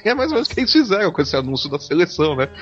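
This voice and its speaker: A man's voice: sits high, sing-song, racing, a bit bright, muffled recording, soft background music. A man with a Brazilian accent chatting casually on a podcast, irreverent and joking, with plenty of swearing.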